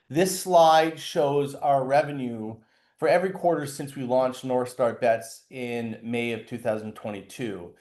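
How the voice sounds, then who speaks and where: A man speaking as a chief executive, giving a formal, scripted financial results presentation in a measured way, occasionally stumbling over words. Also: mid-range voice, darkish tone. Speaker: company chair and CEO presenting.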